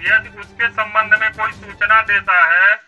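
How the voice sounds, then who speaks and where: High, sharp-voiced man crying a proclamation. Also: flat delivery, faint music behind. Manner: formal, declamatory, in short measured phrases. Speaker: police officer making a public announcement. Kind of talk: town crier proclamation, reading an official order aloud. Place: outdoors in a village street. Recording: dull lo-fi loudspeaker announcement recorded outdoors.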